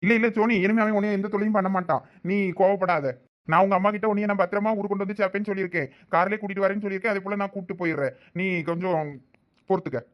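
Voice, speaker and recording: A man with a Thoothukudi Tamil accent acting in a village comedy sketch, with fast, pleading, joking banter. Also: high voice, steady tone, dull audio. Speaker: comedy skit actor.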